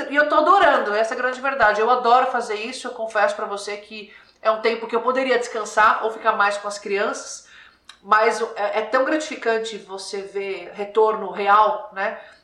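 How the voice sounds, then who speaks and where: Amid noticeable background noise and audible room echo, a woman talks at a moderate pace in a fairly high pitch with fairly even intonation. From Brazil. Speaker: corporate executive and former athlete. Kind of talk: interview.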